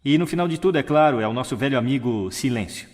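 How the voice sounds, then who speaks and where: A man giving a stage talk on how to speak, showing changes of register, pace, pitch and volume as he goes. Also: lively intonation, fast talker. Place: large hall with audience. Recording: long hall reverb.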